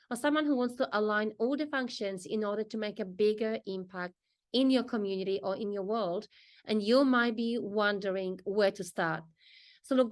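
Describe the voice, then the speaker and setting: A middle-aged woman from Poland with a Polish accent, presenting a business training session in an earnest, explanatory way. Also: medium pitch. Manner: earnest, explanatory, pauses often in short phrases.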